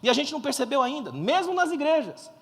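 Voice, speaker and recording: A man preaching a fervent sermon as a pastor, swelling to loud emphasis and quizzing the crowd. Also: extremely high pitch, big pitch swings, quick pace, vocal fry. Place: church conference hall. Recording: long hall reverb.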